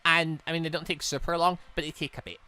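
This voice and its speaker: A man hosting a gaming video, giving animated let's play commentary and reading a visual novel aloud as he reacts. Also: on the high side, fast, no echo.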